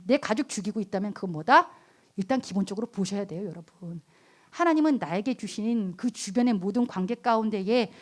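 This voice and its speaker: Animated woman pastor, high lively voice. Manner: animated, acts out quoted voices, asks the listeners questions. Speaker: youth pastor. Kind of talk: sermon to high school students.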